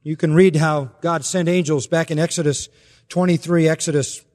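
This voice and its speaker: A male pastor delivers an emphatic expository sermon and rattles off scripture references. His voice sits high for a man. A long reverb from the church hall hangs after his words. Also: steady tone, moderate pace, a little mellow.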